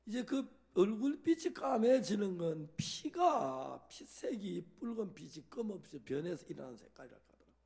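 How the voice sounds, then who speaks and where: A man's voice: sits high, very animated, normal speed, creaky, a little mellow. A man preaching a sermon as a pastor, telling a story and acting out the dialogue in it.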